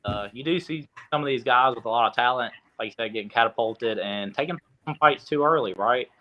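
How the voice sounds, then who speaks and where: A young man from Tennessee, a boxer, answering interview questions in a relaxed way with lots of fillers. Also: medium pitch, brisk, lo-fi sound. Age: young adult. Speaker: boxer, guest.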